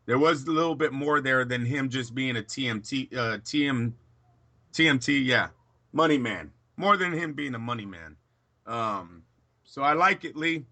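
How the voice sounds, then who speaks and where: Guy arguing boxing picks, super bright voice, lots of ums and restarts. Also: mid-range voice, creaky. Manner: opinionated, talks in quick bursts with fillers and restarts. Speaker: boxing pundit. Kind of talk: casual sports chat.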